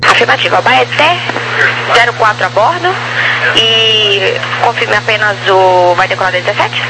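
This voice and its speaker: A Brazilian man working as an air traffic controller, giving procedural clearances over a radio transmission. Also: sits high, moderate pace. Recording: noisy humming aviation radio channel.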